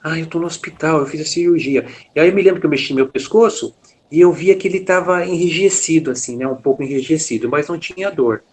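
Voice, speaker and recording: A man with a Brazilian Portuguese accent shares a personal testimony with an interviewer. His voice sits slightly high for a man. He talks haltingly, tagging phrases with fillers and restarting his sentences. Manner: frequent filler "né", hesitant restarts. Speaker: interview guest.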